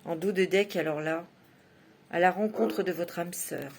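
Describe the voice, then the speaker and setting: A woman's voice: fairly low pitch, unhurried, noisy background. Chatty woman reading tarot cards. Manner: chatty, laughs often, many fillers like "hein". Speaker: tarot reader. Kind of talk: casual monthly tarot reading.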